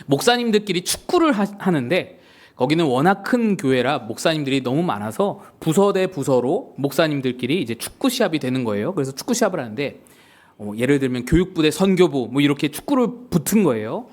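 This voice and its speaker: A male pastor delivers a sermon in a high voice that swoops up and down with great liveliness. He tells his stories vividly, acting out the voices of the people in them. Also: a little fast. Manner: animated storytelling with acted quotes.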